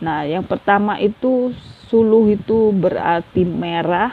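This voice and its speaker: Over noticeable background noise, a woman with a medium pitch speaks at a fairly slow pace with ordinary pitch variation. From Lampung, Indonesia. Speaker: language teacher. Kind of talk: language lesson.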